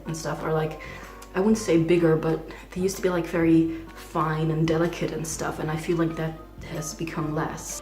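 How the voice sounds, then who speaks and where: A young trans man talking in a casual video diary, hesitant and full of fillers, with a fragile voice that sometimes skips between low and high. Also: a little mellow, echoey room. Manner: hesitant, many "like" fillers, nervous laughs. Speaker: vlogger.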